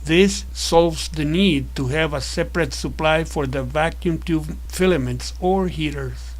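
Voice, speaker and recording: A man narrating a scripted electronics tutorial as an instructor, explaining in a measured, methodical way. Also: fairly high pitch.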